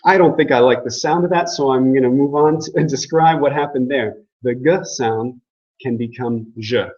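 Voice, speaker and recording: Man, classroom language teacher, husky voice, chatty and joking, slightly dull lo-fi recording. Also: medium pitch, normal speed, a little mellow. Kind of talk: classroom lecture.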